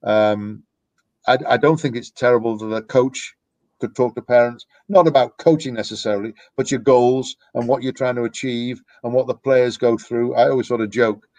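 A man's voice: mid-range voice, fairly even intonation, normal speed, a little mellow, no room sound. A middle-aged man, a youth soccer coach, talking in a casual podcast conversation, reflective and rambling with restarts. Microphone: podcast microphone.

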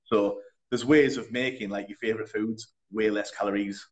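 Low-voiced man, chatty and blunt. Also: normal speed. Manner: relaxed, chatty, laughs often, blunt wording. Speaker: personal trainer. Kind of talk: casual interview.

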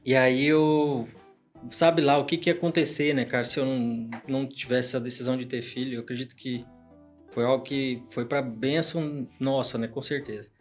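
A man's voice: mid-range voice, fairly even intonation, normal speed, faint music behind. A man, a guest on a podcast, telling a personal story in casual chat, emotional and quoting himself often. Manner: emotional storyteller who peppers speech with "cara" and acts out dialogue.

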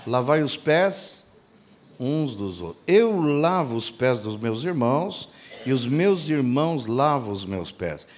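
A man's voice: very animated, takes it slowly. A man preaching a sermon, posing rhetorical questions to the congregation and answering them himself, and acting out quoted dialogue. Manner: acts out quoted dialogue with shifts in pitch and pace.

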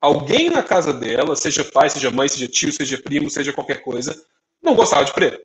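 On a rough recording, this young Brazilian co-host talks in a somewhat high, slightly fast voice. Chatting casually on the podcast, he narrates stories with animation and performs the characters' dialogue in quoted voices.

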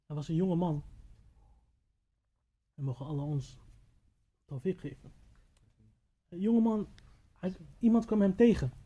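A man's voice: high-pitched, lively intonation, a little slow, long pauses, mellow. A man teaching at a religious gathering, telling a moral story in a sermon style and often repeating and restarting words. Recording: dull lo-fi recording.

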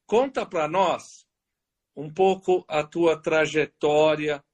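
A man's voice: on the high side, takes it slowly, darkish tone. A man hosting a live video-call interview, chatty and teasing his guest with jokes. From Greek. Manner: jokey, teasing banter. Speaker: host.

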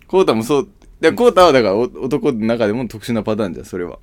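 A young man co-hosting a casual radio-style podcast, animated and quick in his storytelling. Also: mid-range voice, dry recording. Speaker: podcast co-host.

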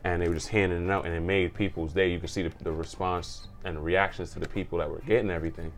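A man from Jamaica, a community organizer, chatting as an interview guest in an upbeat way, full of shout-outs and laughs. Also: sits low, flat delivery, fast talker. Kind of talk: casual interview chat.

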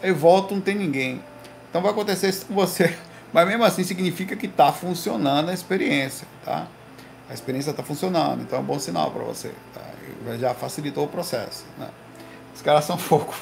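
A man hosting a casual livestream from his home, telling slangy, animated stories to his viewers. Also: on the high side, fast talker, creaky, slight background noise. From Recife, Brazil. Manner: slangy, animated storytelling with lots of "velho" and "cara". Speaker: livestream host. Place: home room.

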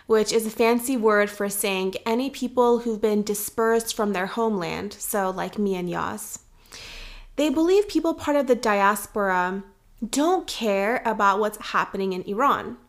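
A young woman hosting a podcast, speaking in an earnest, measured and reflective way. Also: mid-range voice. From United States. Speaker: podcast host. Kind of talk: scripted podcast commentary.

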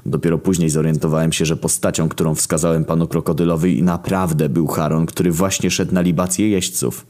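A man narrating a first-person story in a deadpan, wry, crude manner. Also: rumbling low, a little fast. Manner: deadpan, heavy swearing, wry asides.

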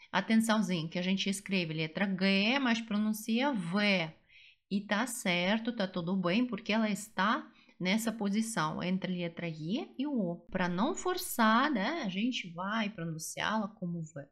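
A woman teaching a language lesson, patient and explaining step by step, slowing down for example phrases. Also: medium pitch. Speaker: Russian teacher.

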